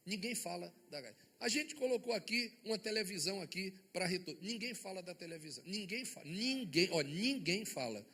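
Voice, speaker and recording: A man's voice: high-pitched, lively intonation, brisk, few pauses, bright, forceful tone, breathy edge. A man with a Brazilian accent, a bishop preaching a sermon and firing rhetorical questions at his congregation. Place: church sanctuary before a congregation. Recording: long church reverb.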